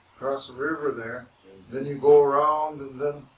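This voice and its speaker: Amid light background noise and audible room echo, a man is speaking. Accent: American. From Minnesota. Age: 70s. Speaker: retired educator. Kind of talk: oral history talk. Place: meeting room. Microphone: camera far.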